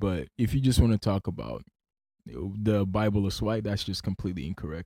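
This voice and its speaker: The sound is dry and close, with no echo. A man speaks with a dark, mellow tone and a fairly low pitch. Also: ordinary pitch variation, moderate pace. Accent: Ghanaian. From Ghana, then moved to US Atlanta area young. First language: Nzima. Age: 20s. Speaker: student, guest. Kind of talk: casual chat, podcast interview.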